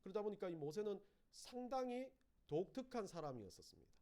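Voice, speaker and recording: Male preacher, storytelling sermon delivery, high and animated. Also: a little fast. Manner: animated storytelling, acting out quoted voices. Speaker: pastor.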